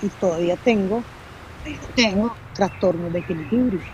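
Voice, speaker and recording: A woman speaks at medium pitch and a fairly slow pace with ordinary pitch variation. Noticeable background noise runs throughout. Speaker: former political prisoner. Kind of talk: interview testimony.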